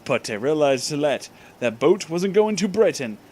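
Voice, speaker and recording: A man's voice: on the high side, sing-song, dark tone. A man reading fan fiction aloud as a comedic dramatic reading, pronouncing the misspellings just as written and adding asides. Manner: deliberately reads misspellings as written.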